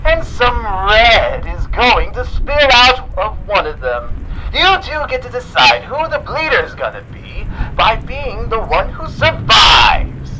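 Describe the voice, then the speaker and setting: Shrill, gleeful mad clown villain. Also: male voice, huge pitch swings, slow pace, bright, forceful tone, full character voice, poor audio. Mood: gleeful taunting. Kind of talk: audio drama acting.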